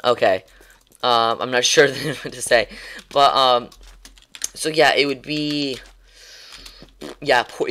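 A man's voice: mid-range voice, fairly bright tone. A man streaming games, signing off his stream in casual, rambling chat, tongue-tied, with many restarts and ums and small chuckles. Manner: chuckles while talking. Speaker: gaming streamer. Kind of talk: casual livestream sign-off chat.

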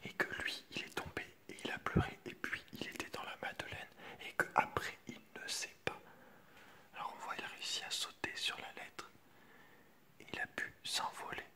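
Whispering without voice as if in a library, a man reads a children's picture book at normal speed for ASMR, pausing for casual asides to viewers.

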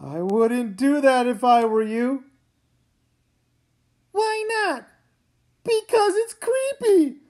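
A woman's voice: high voice, very animated, slow, pauses often, darkish tone, exaggerated voice. A woman voicing a cautious young boy with a childlike, pleading manner in a comic read-aloud. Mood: wary. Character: young boy, cautious, whiny little brother.

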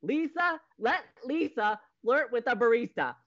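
A woman playing an anxious, stubborn young college radio host in an audio drama, with a flustered, halting, emphatic way of talking. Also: on the high side, expressive, lo-fi sound. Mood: exasperated. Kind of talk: naturalistic audio drama acting.

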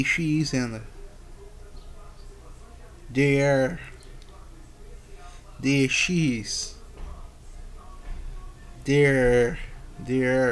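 A man with a Brazilian accent, a native Portuguese speaker, haltingly reading aloud as an English learner and repeating words and phrases. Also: medium pitch. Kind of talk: halting read-aloud pronunciation practice.

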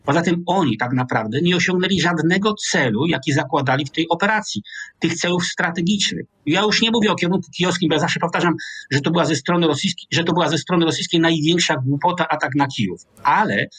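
A man in his sixties with a Polish accent, a military analyst explaining at a measured pace over a video call from a small home office. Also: on the high side, fairly bright tone, slightly rough, no echo. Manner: measured, explanatory, restarts mid-word. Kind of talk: analytical interview commentary. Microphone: video call webcam.

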